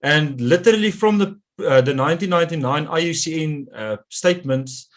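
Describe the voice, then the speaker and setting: A man's voice: fairly high pitch, expressive, a little fast. A man with a South African accent, a native Afrikaans speaker, wrapping up a talk over a video call and then answering questions, with many fillers and restarts. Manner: hesitant, lots of fillers and restarts. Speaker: conservation scientist giving a talk. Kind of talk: closing remarks and Q&A answer.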